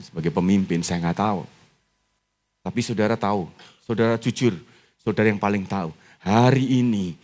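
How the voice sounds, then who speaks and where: A middle-aged man from Indonesia preaching a sermon as pastor, telling his own story in a conversational way, dropping to low murmurs and then rising to high, shouted climaxes. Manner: personal testimony told in a conversational tone.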